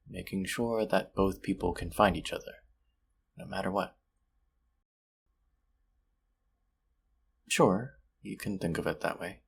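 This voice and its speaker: A man playing a sweet, smitten stranger in an intimate romantic audio roleplay, speaking softly and hesitantly in a husky, gravelly voice. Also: sits low, a little hiss or hum, heavily acted. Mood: gentle storytelling. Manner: soft, hesitant, tender, with pauses.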